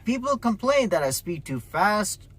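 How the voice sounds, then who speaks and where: A man's voice: high-pitched, very animated, unhurried, a bit bright, breathy edge. A man in his forties from Pakistan, speaking conversationally as he explains things like a taxi driver being interviewed. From Pakistan, grew up in Karachi, later the UK. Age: 40s.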